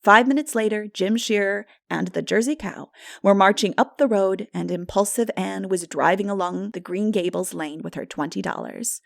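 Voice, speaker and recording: A woman's voice: medium pitch, normal speed, creaky, no echo, clean studio sound. A woman reading a classic novel aloud as a scripted dramatic audiobook narration.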